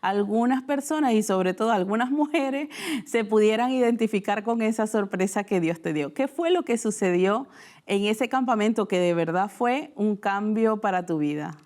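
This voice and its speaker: A woman's voice: mid-range voice, animated, normal speed. A woman from Venezuela with a Venezuelan accent, hosting a Christian TV talk show in a studio and asking questions in a conversational way. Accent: Venezuelan Spanish. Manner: warm conversational questioning, frequent "mira". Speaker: host.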